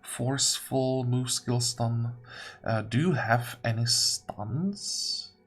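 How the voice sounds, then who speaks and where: Slightly husky man musing through a game. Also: medium pitch, takes it slowly. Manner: musing, deliberating step by step. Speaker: gamer narrating own playthrough. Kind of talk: casual gameplay commentary, thinking aloud. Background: game music.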